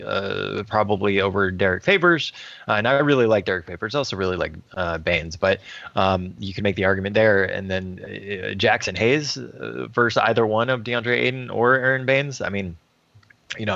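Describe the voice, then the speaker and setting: A man's voice: fairly low pitch, creaky, a bit bright, no echo. A man hosting a casual sports podcast, moving the segments along and thanking listeners. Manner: runs the show, moves the segments along. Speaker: podcast host. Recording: dry, dull lo-fi sound.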